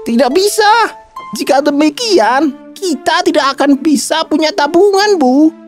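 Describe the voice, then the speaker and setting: A woman voicing an elderly male fisherman, hardworking and stubborn, in a cartoon story; she speaks in a slow, earnest, fussy way. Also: sits high, animated, faint music behind. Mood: worried.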